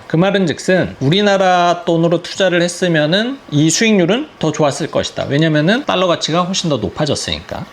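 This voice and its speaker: A man talking to camera as a finance YouTuber, chatting in a conversational way and asking and answering his own questions. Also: a little high. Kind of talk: explanatory talk to camera.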